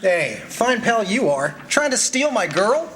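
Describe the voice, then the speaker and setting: Brash hearty young businessman, high excitable pitch, slangy and bossy, old time radio play. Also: measured pace, slight background noise, heavily acted. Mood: breezy, teasing. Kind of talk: live stage reading of a 1940s radio drama.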